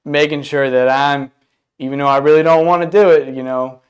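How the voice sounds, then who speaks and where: A young man in his twenties with a smooth, resonant voice, talking about his rental business in a relaxed interview. He speaks easily, with plenty of pauses and fillers. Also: fairly high pitch. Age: 20s. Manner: laid-back, hesitant with fillers. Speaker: event rental business owner. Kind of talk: casual interview conversation.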